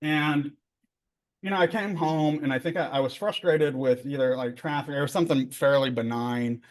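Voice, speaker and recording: A middle-aged man with a relaxed drawl leads a therapy training session. He talks in an easygoing, joking way, checking in with his listeners and filling pauses as he explains ideas. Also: a little high. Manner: conversational, joking, many fillers and tag questions. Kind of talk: casual workshop lecture.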